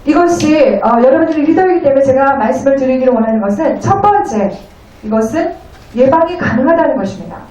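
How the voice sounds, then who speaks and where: A woman interpreting a lecture phrase by phrase in a polite, formal, somewhat halting way. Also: high-pitched, expressive, warm tone, dull audio, slight background noise. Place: echoey indoor venue. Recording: very echoey, distant room.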